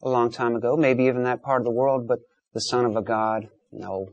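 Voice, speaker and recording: A man's voice: medium pitch, steady tone, brisk, no echo, lo-fi sound. A man hosting a call-in debate, talking in an emphatic, blunt, lecturing way. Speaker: talk show host.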